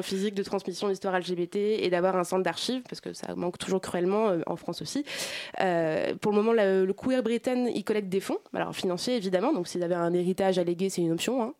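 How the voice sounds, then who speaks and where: Quick-talking joking woman co-host. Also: medium pitch. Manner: joking, laughs easily. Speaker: radio show co-host. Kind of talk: casual chat. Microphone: studio microphone.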